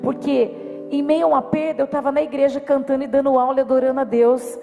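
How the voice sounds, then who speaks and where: High-voiced Brazilian woman pastor testifying. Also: level tone, quick pace, creaky, dull audio. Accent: Brazilian Portuguese. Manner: earnest, quotes her own and others' words. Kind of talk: emotional testimony. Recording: long hall reverb with soft music.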